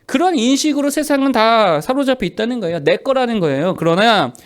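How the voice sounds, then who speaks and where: A middle-aged man preaches from the pulpit in a high voice that swings widely in pitch. He poses rhetorical questions and answers them at once, driving each point home through emphatic repetition. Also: expressive, brisk. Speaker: pastor. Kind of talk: sermon.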